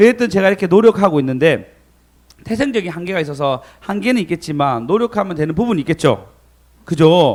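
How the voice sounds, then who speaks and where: A man with a Busan accent, a high pitch, very wide pitch swings and a fairly quick pace. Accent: Busan Gyeongsang dialect. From Busan, Korea.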